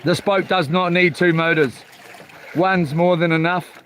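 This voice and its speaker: High-voiced man with broad Kiwi accent. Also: fairly even intonation, a little slow, fairly bright tone. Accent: broad New Zealand. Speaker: fishing livestream host. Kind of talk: casual live vlog chat. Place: outdoors on a small boat at sea. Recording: faint outdoor water and boat noise.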